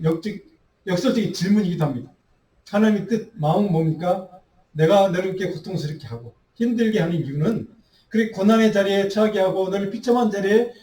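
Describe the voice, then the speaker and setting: A man's voice: high-pitched, a little mellow. A male pastor preaching a midweek Bible study sermon, earnest and full of rhetorical questions. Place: church sanctuary. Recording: roomy echo, voice heard from a distance.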